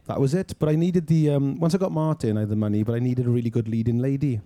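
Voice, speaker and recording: A man's voice: mid-range voice, steady tone, fast, warm tone, no echo. A man from Wales telling anecdotes as an interview guest. He laughs often and acts out the things people said to him. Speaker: film director guest. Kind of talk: anecdotal storytelling.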